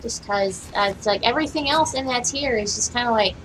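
A young woman with a hoarse, raspy voice, casually commenting on her own gameplay while streaming from home and chatting with viewers. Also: on the high side, a little fast, poor audio. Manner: chatty, profane, talks to herself while playing. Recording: game music behind voice. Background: game music.

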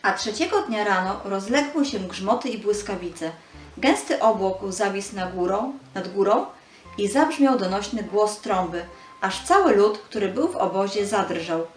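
A woman's voice: medium pitch, lively intonation, unhurried, reverberant. A woman giving a scripted narration of a Bible story for children.

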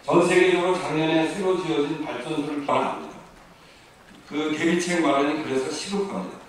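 A man's voice: fairly high pitch, fairly even intonation, fairly quick, recorded from a distance. A man giving a formal, earnest presentation at a forum, with hesitant fillers. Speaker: speaker at a policy forum. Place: large conference hall. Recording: echoey hall mic from afar, faint noise.

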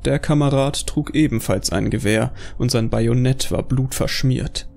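A man's voice: medium pitch, moderate pace, gravelly, darkish tone. A man reading scripted narration for a horror audio drama as its narrator. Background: faint music.

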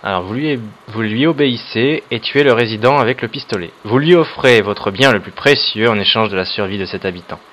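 A man with a fairly low voice gives casual let's play commentary. He reads the game's choices aloud, then hesitates and pauses over his own choices, dropping in little jokes. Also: a bit bright. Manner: reads on-screen options aloud, hesitant with many fillers, joking asides.

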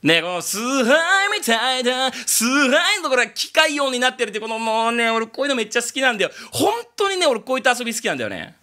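A man from abroad who speaks Japanese as a second language, giving a casual reaction commentary on an anime opening and breaking into loud exclamations. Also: extremely high pitch, very fast, few pauses, faint music behind. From outside Japan. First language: not Japanese. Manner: excitable, bursts into loud exclamations.

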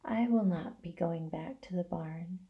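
A woman voicing a dying female spider in a children's story, soft and weak, calm yet gently firm. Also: medium pitch, moderate pace, muffled recording, lightly acted. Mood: weary, resigned.

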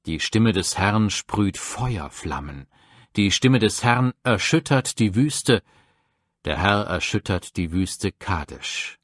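A man reading psalms aloud for a Bible audiobook, measured and reverent. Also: on the low side, no room sound, clean studio sound. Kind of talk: solemn scripture reading.

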